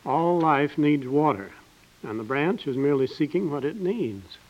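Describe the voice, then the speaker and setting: Earnest water diviner, fairly high male voice, solemn, self-assured, formal, dull 1950s radio recording. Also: animated, moderate pace. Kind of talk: 1950s radio comedy-drama acting.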